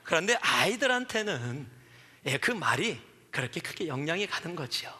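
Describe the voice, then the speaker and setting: Bright, high-voiced preacher in a hall. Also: male voice, moderate pace, husky. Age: 40s. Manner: animated storytelling, acting out quoted voices. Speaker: pastor. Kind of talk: sermon. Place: church sanctuary. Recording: reverberant church hall.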